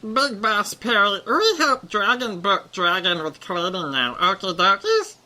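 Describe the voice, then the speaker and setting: An eager little goblin in a comic audio drama, with a very sharp, bright voice. The helper chatters in childlike broken grammar with a lively swing to the pitch. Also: male voice, measured pace, exaggerated voice. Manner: broken baby-talk grammar.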